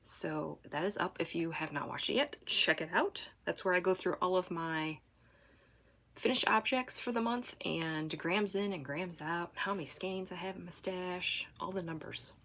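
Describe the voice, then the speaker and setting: A woman from Michigan hosting a knitting podcast, chatting casually to camera at home while congested, rambling with fillers and soft asides. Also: lowish voice, normal speed. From Michigan, USA.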